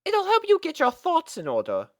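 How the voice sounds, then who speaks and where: Woman playing a genteel, lively-voiced lady pony. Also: very high voice, normal speed, full character voice. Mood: gentle, puzzled. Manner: genteel, coaxing, theatrical. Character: refined, affectionate adult female pony, busy elder sister. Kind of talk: fan fiction audio drama acting.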